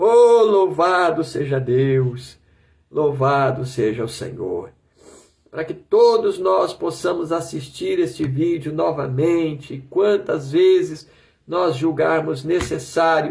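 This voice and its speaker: This man's voice is shrill and fairly high, moving very slowly with ordinary pitch variation. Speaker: lay preacher reading the Bible. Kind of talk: Bible reading with prayer and closing remarks. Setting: recorded live video on Facebook.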